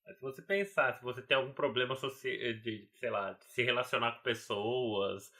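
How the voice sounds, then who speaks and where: A man's voice: mid-range voice, moderate pace, pushed and bright. A man with a Brazilian Portuguese accent co-hosting a podcast in casual chat, rambling and leaning on fillers. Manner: rambling, fills with "cara" and "entendeu", laughs often. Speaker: podcast co-host.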